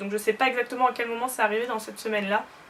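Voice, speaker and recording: Over noticeable background noise, a woman speaks very fast in a high pitch with monotone, flat intonation. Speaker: holiday camp counsellor. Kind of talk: casual product review to camera.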